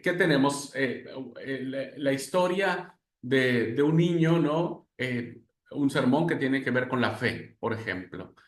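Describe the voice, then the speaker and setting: A man teaching a class on expository preaching, telling stories in an animated way with many fillers. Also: medium pitch. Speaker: preaching instructor. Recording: echoey room.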